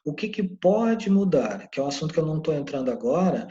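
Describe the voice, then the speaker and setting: A man's voice: fairly high pitch, sing-song, brisk, dark tone, dull audio. A man teaching an English lesson online, explaining grammar patiently and checking in often with his viewers.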